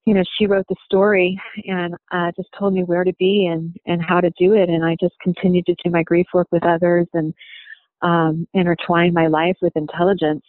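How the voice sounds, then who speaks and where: A woman speaks in a level, even tone that barely rises or falls. She talks reflectively and haltingly, filling her pauses with "you know." The sound is thin and phone-like, with no room echo at all. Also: on the low side. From United States. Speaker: interviewee. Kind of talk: personal storytelling. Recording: dry, tinny phone-like sound.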